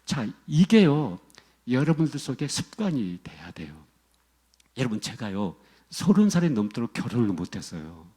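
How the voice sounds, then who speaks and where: A middle-aged man preaching with a lively, swinging delivery and a mellow, slightly husky tone. He presses his points through repetition and keeps calling out to his congregation. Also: mid-range voice, moderate pace. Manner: emphatic, repetitive preaching with direct address to the congregation. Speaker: pastor. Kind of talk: sermon.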